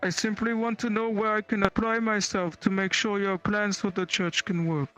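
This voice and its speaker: A man playing his roleplay character, speaking in a measured, formal and earnest way. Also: high voice, flat delivery, a bit bright, faint music behind. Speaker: roleplay player.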